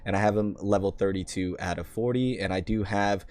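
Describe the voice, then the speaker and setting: A man with a worn-out, hoarse voice, hosting a casual gaming channel and chatting through a character guide in a rambling, self-deprecating way. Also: lowish voice, fairly quick, a little mellow. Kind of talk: casual game guide commentary.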